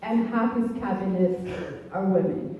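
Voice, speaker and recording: A woman's voice: mid-range voice, steady tone, measured pace, dull audio, slight background noise. Woman asking from the audience, echoey hall. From Ethiopia. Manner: earnest, puzzled questioning. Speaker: audience member asking a question. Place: church hall at a public meeting. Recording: roomy hall, mic far off.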